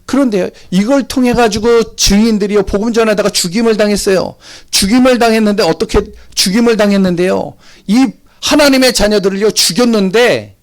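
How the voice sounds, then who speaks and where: A male pastor preaching a sermon in a church, dramatic, swinging from loud emphasis to hushed whispers. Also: high voice. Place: church sanctuary.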